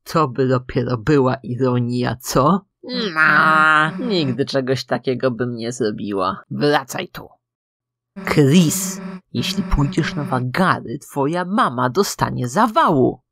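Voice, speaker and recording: Woman voicing a surly, low, bullying teen monster girl. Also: expressive, takes it slowly, a bit bright, dry recording, exaggerated voice. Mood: mocking, impatient. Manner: sarcastic, taunting. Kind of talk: dramatized video game dialogue reading.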